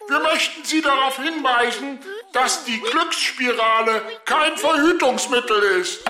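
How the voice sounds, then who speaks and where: A woman playing an announcer who makes a formal, emphatic warning through a megaphone-like loudspeaker. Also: sits high, measured pace. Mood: announcing. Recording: echoey, noisy loudspeaker sound.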